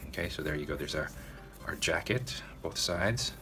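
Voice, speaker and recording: Low-voiced man talking through a drawing. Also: expressive, moderate pace, music in the background. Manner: casual, addresses viewers directly, frequent "okay?" check-ins. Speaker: drawing tutorial host. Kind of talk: narrated step-by-step drawing tutorial.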